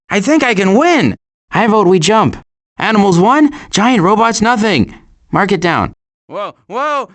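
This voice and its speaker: Fretful, wry cartoon turtle. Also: male voice, high voice. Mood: wry, doubtful, then pained panic. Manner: wry, fretful, deadpan sarcasm with stammers. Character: cautious, anxious, grumbling adult male cartoon turtle. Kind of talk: animated video game character lines.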